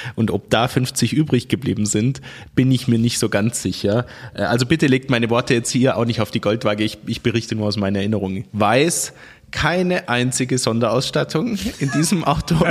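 With an ordinary speaking voice, a man speaks at a medium pitch and a moderate pace, his pitch varying in an ordinary way. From rural Germany. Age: 40s. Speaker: car podcast co-host. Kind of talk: casual chat. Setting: sitting together over coffee.

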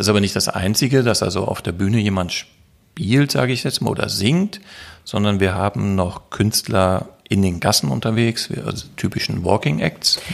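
With some vocal fry, a man speaks at a fairly low pitch. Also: ordinary pitch variation, moderate pace. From Siegen, Germany. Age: 50s. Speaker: Christmas market organizer and ad agency owner. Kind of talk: casual interview. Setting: office of his advertising agency.

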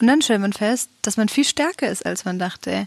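A woman with a fairly high pitch and vocal fry speaks at a fairly slow pace with lively intonation, in a dry, close sound with no echo. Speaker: podcast co-host. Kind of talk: casual chat. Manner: laughs often.

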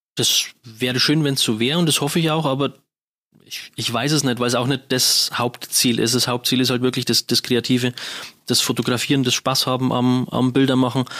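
At a fairly quick pace, a man talks in a bright, sharp tone at a medium pitch with fairly even intonation. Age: 40s. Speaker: teacher and travel photographer. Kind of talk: casual interview. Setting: studio. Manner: hesitant with fillers.

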